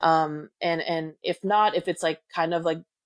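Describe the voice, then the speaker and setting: In a dry, close recording with no echo and a quiet background, a woman uses an ordinary speaking voice, fairly low in pitch, with fairly even intonation. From Chicago, US (born in Korea, moved at five). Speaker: sports social media manager. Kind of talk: casual interview. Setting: podcast recording.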